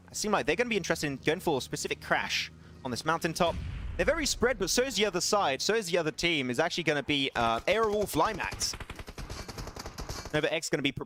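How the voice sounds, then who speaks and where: Man, esports play-by-play, excitable, high voice, rapid delivery. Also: a little hiss or hum. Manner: excitable, laughs often, apologetic banter with chat. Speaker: esports caster. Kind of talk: solo esports play-by-play commentary.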